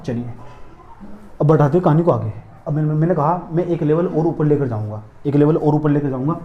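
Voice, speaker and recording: A man lecturing a physics class at a rapid clip, his voice sitting a little high. He keeps repeating himself and firing questions, then answering them. The sound is dull and lo-fi, bouncing around a roomy classroom. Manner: repetitive, drilling questions to students. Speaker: physics teacher.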